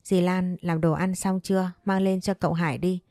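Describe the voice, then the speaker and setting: A woman's voice: fairly low pitch, fairly even intonation, normal speed, warm tone, no room sound, studio quality, close to an everyday voice. A woman voicing a stern, dismissive middle-aged mother in a spoken ghost story, with a brusque, scolding manner.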